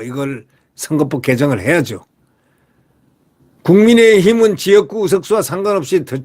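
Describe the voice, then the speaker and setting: A man hosting solo political commentary, talking emphatically and firing rhetorical questions at his viewers while repeating his catchphrases. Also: on the high side.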